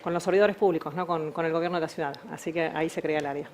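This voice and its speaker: A woman's voice: low-pitched, fairly even intonation, rapid-fire, a little mellow, slight background noise. A woman with an Argentine accent recalling her work as a panel guest, reflective with many hesitations. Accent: Argentine Spanish. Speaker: city government official, panelist. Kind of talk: panel conversation.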